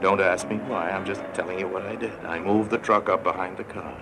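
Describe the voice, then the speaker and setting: A man's voice: deep voice, steady tone, fairly quick, loud music behind the voice. An actor playing a cynical male con-man smuggler who narrates his own story with wry, confiding remarks, in 1950s radio drama style. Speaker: narrator and lead character. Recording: old radio broadcast with faint hiss.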